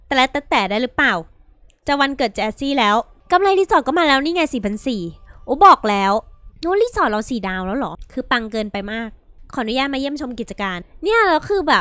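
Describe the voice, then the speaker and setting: A woman hosting a casual gameplay video, chatty and playful, talking straight to her viewers with quick exclamations. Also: sits high, fairly bright tone, clear, resonant tone, dry recording. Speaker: gaming video host. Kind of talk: casual let's-play commentary.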